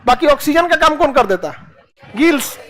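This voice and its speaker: A man's voice: very high-pitched, fairly quick. A man teaching a class, firing questions and repeating answers in a call-and-response drill. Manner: animated, drills students with repeated questions and acted asides.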